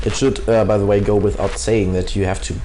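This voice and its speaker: Audible room echo and noticeable background noise surround this recording. A man with a German accent speaks at a very fast pace. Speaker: video game tutorial maker. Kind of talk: tutorial voice-over.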